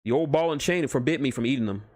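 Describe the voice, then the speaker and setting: A man's voice: mid-range voice, fast, darkish tone, no room sound, clean studio sound, voice pushed up, natural voice. A man voicing a brash, petty restaurant boss who is glib and whines when challenged, in a comic story reading. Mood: grudging.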